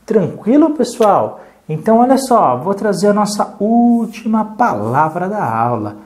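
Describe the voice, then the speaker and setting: Brazilian adult-literacy teacher, mellow tone, animated pitch, patient and encouraging. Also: unhurried. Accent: Brazilian Portuguese. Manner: patient, counts aloud, checks in with "tá bom?".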